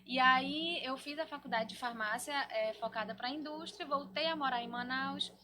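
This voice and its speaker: Woman, Brazilian accent, from Maranhão, high bright voice, casual interview guest. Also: moderate pace. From Maranhão, northeastern Brazil. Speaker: cosmetics entrepreneur guest.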